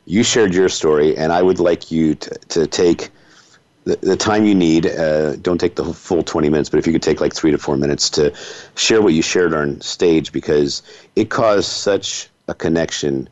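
A man's voice: extremely low pitch, normal speed, dry recording. A man hosting an interview in a conversational style, effusive and complimentary toward his guest. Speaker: interview host. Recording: slightly dull, dry audio.

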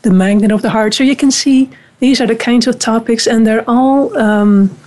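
A Dutch-native woman, director of a spiritual university, explaining her programs in a conversational interview at a measured pace with many fillers. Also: on the high side, a little mellow.

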